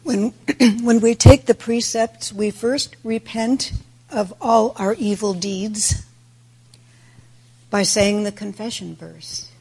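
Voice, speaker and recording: Woman, Buddhist teacher, raspy husky voice, gravelly creak, deliberate sermon delivery. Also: mid-range voice, steady tone, a little mellow, rough recording. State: raspy voice today with throat clearing. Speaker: Buddhist teacher giving a dharma talk. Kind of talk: sermon, reflective religious talk.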